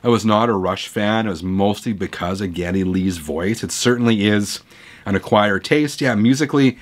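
A man in his forties with a voice hoarse from a cold, hosting a vinyl channel and chatting opinionatedly through viewer comments from his home record room. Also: lowish voice, normal speed. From Canada. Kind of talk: casual reading of viewer comments. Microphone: camera close up at desk.

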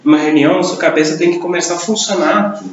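A man's voice: a little high, steady tone, fast, background noise. A man with a Brazilian Portuguese accent, an English teacher guiding a student with encouraging questions. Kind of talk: classroom conversation. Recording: echoey dull room recording.

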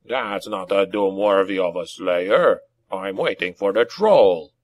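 Man doing a deep, growling dwarf slayer. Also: slow pace. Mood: grim pride. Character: gruff, stubborn dwarf slayer, proud and grim. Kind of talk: acted audiobook dialogue.

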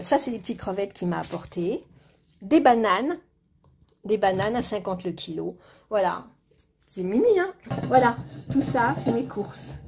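Chatty woman vlogger, mellow voice. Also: mid-range voice, a little hiss or hum. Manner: chatty, counts items aloud, teasing asides. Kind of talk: casual haul video.

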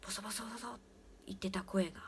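A woman's voice: mid-range voice, fairly even intonation, quick pace, breathy edge. Woman whispering a ghost story. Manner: hushed, often whispering.

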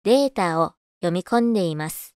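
A woman's voice: on the low side, expressive, moderate pace, darkish tone, no room sound. Dry-sounding woman doing scripted voice-over. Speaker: voice actor. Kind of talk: scripted narration and announcements, voice-over demo.

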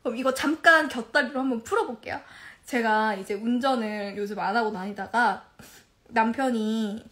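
A woman's voice: on the high side, moderate pace. A young woman chatting on a phone live stream, telling a story with lots of laughter and acting out an argument. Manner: animated, laughing often, acts out quarrels. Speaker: livestreamer.

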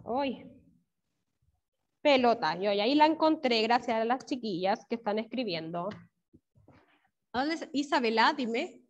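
An animated, high-voiced Chilean woman teaches young children in an online primary class, slowly spelling out words syllable by syllable and cheering on pupils by name. The audio, from a video call, is dull and lo-fi.

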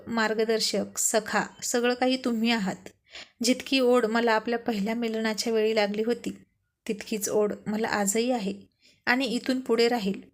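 A woman voicing a young devoted wife who speaks with earnest, emotional warmth in storybook dialogue. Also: fairly high pitch, close to an everyday voice.

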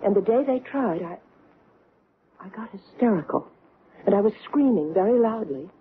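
A woman's voice: medium pitch, lively intonation, moderate pace, close to an everyday voice. An actress playing a poised, frank young mother troubled by a strange encounter, in a direct, dry radio drama style. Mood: confiding, uneasy. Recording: muffled, noisy old radio recording.

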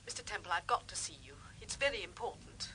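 A woman's voice: fairly low pitch, expressive, fast, pushed and bright, a little hiss or hum, rough recording. An actress playing an anxious, secretive woman on the telephone in a radio mystery drama. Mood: anxious, urgent.

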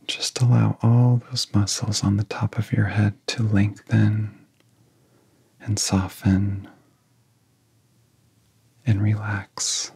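A man speaks in a soft, very breathy voice that often slips into a whisper. His pitch is on the low side and barely moves. He guides relaxation in a gentle ASMR style, close and dry on the microphone, leaving long pauses between soothing phrases. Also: flat delivery, no echo.

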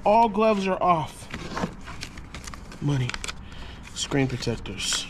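A man in his thirties vlogging outdoors at a storage lot, joking and excited as he digs through bins. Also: a little high, takes it slowly, slight background noise. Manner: excitable, joking, talks to camera. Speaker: storage unit buyer. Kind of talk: casual vlog while unboxing. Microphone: camera mic, handheld close.

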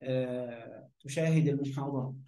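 A man's voice: medium pitch, steady tone, moderate pace, mellow, roomy sound. A man with an Egyptian accent teaching Arabic grammar in an online lesson. He poses questions, answers them himself, and keeps checking that his students follow.

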